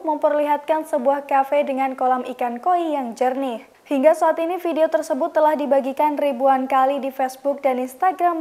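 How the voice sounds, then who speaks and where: Young female news presenter, high voice, steady scripted read. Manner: steady, even read-aloud delivery. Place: television studio.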